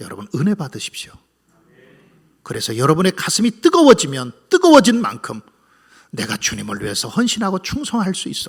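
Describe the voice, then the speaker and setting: A man talks at a fairly quick pace, with long, frequent pauses. His loudness swings a lot. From South Chungcheong, Korea (Seocheon). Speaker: pastor. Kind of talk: sermon. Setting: church.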